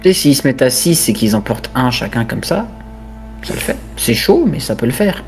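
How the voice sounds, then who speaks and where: Man, medium pitch, tabletop player, blunt, colloquial, joking, faint music behind. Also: sing-song, a little fast, darkish tone. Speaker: tabletop role-playing player. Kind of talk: casual in-game chat.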